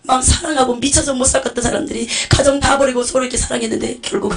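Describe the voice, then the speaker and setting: A woman's voice: high voice, fairly even intonation, rapid-fire. A woman giving a fervent, tearful testimony sermon, preaching with urgency. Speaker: testimony speaker.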